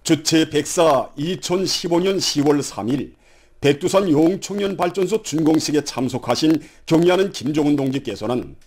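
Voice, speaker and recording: A man's voice: fairly high pitch, animated, normal speed, a little mellow, husky. A man with a North Korean accent reads a solemn, reverent scripted television news narration in a declamatory manner.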